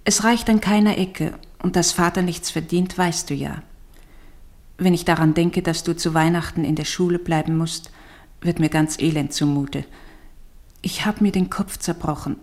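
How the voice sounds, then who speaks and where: A woman's voice: fairly low pitch, steady tone, normal speed, darkish tone, natural voice. A woman acting a poor, loving mother in a radio play, reading out her letter with tender sorrow. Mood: sorrowful.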